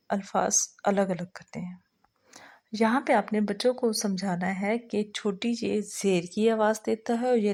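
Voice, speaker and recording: A woman teacher who explains an Urdu lesson to other teachers and recites verses slowly. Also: medium pitch, vocal fry, darkish tone. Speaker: teacher trainer.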